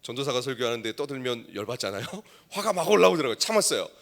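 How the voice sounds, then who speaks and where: A middle-aged male pastor preaching a sermon, telling a story and swinging between hushed asides and loud exclamations. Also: medium pitch, big pitch swings, quick pace, vocal fry.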